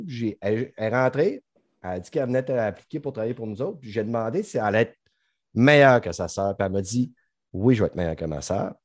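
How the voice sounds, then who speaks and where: A middle-aged man speaks with a Saguenay Quebec French accent in a casual podcast chat. His voice sits at an ordinary pitch for a man, and he jokes bluntly, dropping swear words freely. The sound is dry and close, with no room around it. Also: darkish tone, no room sound. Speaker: podcast host.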